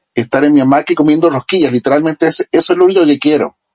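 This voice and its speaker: A man speaks with a Chilean accent and fairly even intonation. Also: dry, close sound with no echo. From Nicaragua. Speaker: panelist, Nicaraguan exile. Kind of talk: panel discussion, personal testimony.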